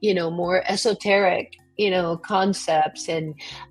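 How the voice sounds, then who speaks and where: A woman's medium-pitched voice with a Spanish accent at a fairly slow pace and ordinary pitch variation, with music in the background. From Puerto Rico. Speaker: data engineer and YouTube co-host. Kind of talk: casual chat. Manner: animated.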